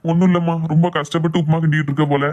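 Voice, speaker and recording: A woman's voice: sits low, flat delivery, very fast, warm tone, muffled recording, lightly acted. A woman playing an exasperated middle-aged husband, grumbling and sarcastic. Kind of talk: comic family skit.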